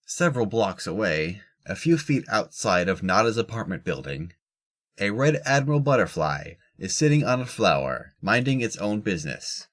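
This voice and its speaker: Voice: sits low, very animated, moderate pace. A narrator reading scripted story narration for an audio drama.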